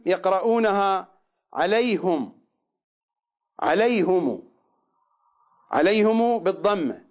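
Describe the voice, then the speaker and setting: A man lecturing on readings of scripture, drawing out each recited word slowly and then rushing through his asides. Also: high voice, lo-fi sound. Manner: slow deliberate recitation of words, then quick asides. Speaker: religious lecturer.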